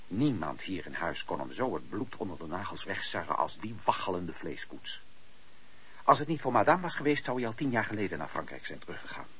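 A man narrating a radio play as an expressive, theatrical storyteller. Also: mid-range voice, husky. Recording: dull lo-fi radio play recording.

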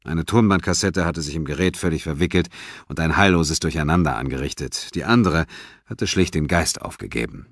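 A low-voiced man reads a first-person audiobook in a dry, wry way. The recording is close and dry, with no room sound. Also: brisk, no echo. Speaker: audiobook reader.

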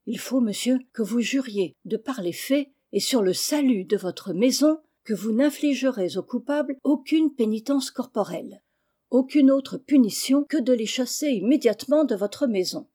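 Woman reading a calm, resolute schoolboy. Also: fairly high pitch, normal speed, slightly rough, pitched above the performer's own voice. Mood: firm. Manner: polite and firm.

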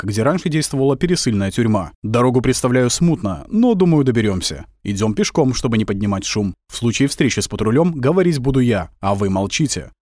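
Мужчина-чтец озвучивает молодого советского лейтенанта-разведчика, который говорит властно, а порой изображает надменного офицера. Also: male voice, mid-range voice, darkish tone, dry recording, clean studio sound, lightly acted. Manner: commanding, mock-arrogant when posing. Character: brisk young male Soviet scout lieutenant.

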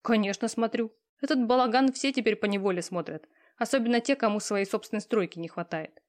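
A woman voicing a pushy, talkative young female friend who teases and lectures loudly. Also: fairly high pitch, brisk, lightly acted. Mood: bossy. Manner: loud, teasing, talkative.

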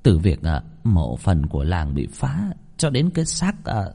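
A man voicing a shrewd, stern woman healer who speaks in a low, measured voice. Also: huge pitch swings, gravelly, warm tone, slightly rough, heavily acted. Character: shrewd middle-aged female spirit healer, stern.

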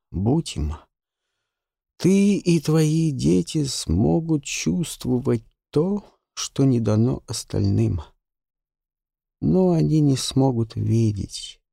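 A man's voice: mid-range voice, dark tone, husky, dry recording, studio quality, voice pushed up. A man voicing a dying, bitter captive woman. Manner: slow, weary, bitter.

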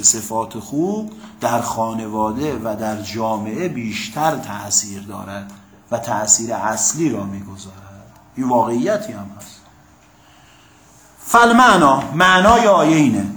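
A man's voice: mid-range voice, fairly bright tone. A man teaching a class on Quranic exegesis and Arabic grammar, explaining step by step and often checking whether the students have followed. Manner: explanatory, asks the class "got it?". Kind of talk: classroom lecture. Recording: echoey room, faint hum.

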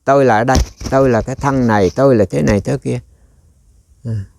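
Gravelly-voiced monk, warm and dry. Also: male voice, mid-range voice, brisk, no room sound. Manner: rambling, conversational, quizzes listeners. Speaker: Buddhist monk teacher. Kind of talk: dharma talk.

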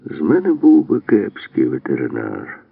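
A man's voice: low voice, huge pitch swings, moderate pace, creaky, dry recording, pitched above the performer's own voice, exaggerated voice. A man reading an audiobook, voicing a nervous, wisecracking male commando who grumbles about dogs. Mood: wry worried. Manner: grumbling, joking complaints. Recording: dry, phone-like narrow band.

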